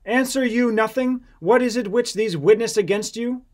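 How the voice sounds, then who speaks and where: Man acting a forceful, indignant high priest, raised pitch. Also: moderate pace. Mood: stern, demanding. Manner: forceful, declamatory. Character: commanding, indignant high priest interrogating a prisoner. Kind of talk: dramatized scripture audiobook reading.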